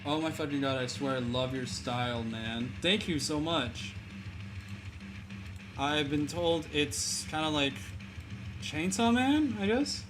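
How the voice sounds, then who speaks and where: A man's voice: fairly high pitch, expressive, takes it slowly, noisy background. A young man livestreaming while he draws viewers' characters, chatting loosely with his chat. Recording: music playing behind.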